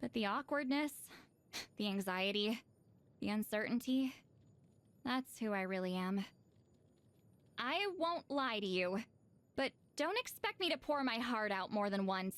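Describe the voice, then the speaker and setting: A woman's voice: mid-range voice, lively intonation, measured pace, long pauses, a bit bright. An actress playing an awkward but proud shaman woman from a video game, a youthful-sounding tribal elder with a flustered, slightly huffy, hesitant manner. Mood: confiding. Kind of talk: animated game character voice lines.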